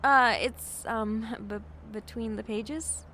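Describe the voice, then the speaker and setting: A woman playing a shy, friendly young bookstore worker in an audio drama, soft-spoken and hesitant. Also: a little high, steady tone, slow pace, slight background noise.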